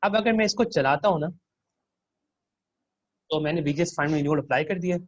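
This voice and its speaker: A man's voice: a little high, brisk, no room sound, highs cut off. A man working as a teaching assistant, walking students through a circuit simulation and quizzing them with questions.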